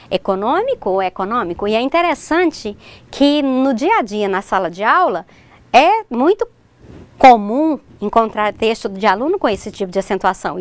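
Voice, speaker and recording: Lively-voiced woman teacher explaining. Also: on the high side. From Brazil. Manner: explains step by step, checks in with "ok?"; addresses students directly, points at examples. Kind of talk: recorded distance-learning lesson.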